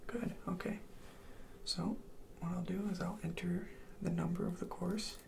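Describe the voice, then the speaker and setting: An ASMR performer whispering gently and without hurry, reassuring the listener in the role of a college advisor, with a breathy, creaky voice. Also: mid-range voice, fairly even intonation, unhurried, a little hiss or hum.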